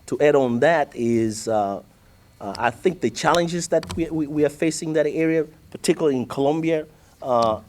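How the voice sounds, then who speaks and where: A middle-aged man from Tanzania speaking on a seminar panel, pausing often with many fillers and restarts. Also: mid-range voice, a little mellow. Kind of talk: panel discussion. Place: seminar hall.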